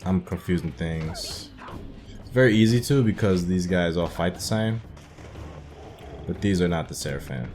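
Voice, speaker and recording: A man's voice: deep voice, lively intonation, moderate pace, pauses often, a little mellow, faint music behind. A man hosting a gaming playthrough, commenting casually and informally as he thinks aloud and explains things. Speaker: gaming video host.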